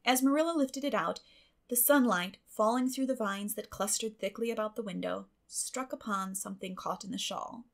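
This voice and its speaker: A woman's voice: mid-range voice, moderate pace, vocal fry. A woman reading a classic novel aloud as scripted audiobook narration.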